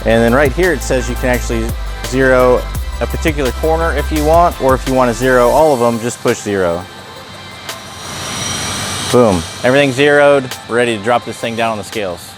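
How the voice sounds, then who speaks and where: A man's voice: medium pitch, fairly quick, music in the background. A man presenting a product tutorial in an informal, plain-spoken, unscripted way, as someone who works hands-on in a shop. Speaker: race car builder presenting a product tutorial. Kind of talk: casual hands-on product demonstration.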